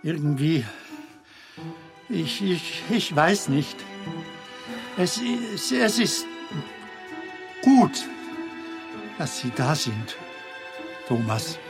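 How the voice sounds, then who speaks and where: Halting, anxious film comedian, slow-paced. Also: male voice, on the high side, expressive, full character voice. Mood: hesitant, vulnerable. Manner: hesitant, halting, searching for words. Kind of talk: theatrical audio drama dialogue. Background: music.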